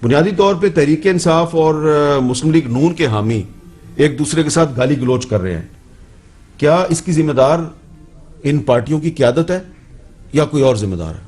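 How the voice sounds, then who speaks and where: A man's voice: a little high, lively intonation, moderate pace, darkish tone, breathy edge. A man putting a carefully phrased, probing question to a guest. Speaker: interviewer. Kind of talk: interview question.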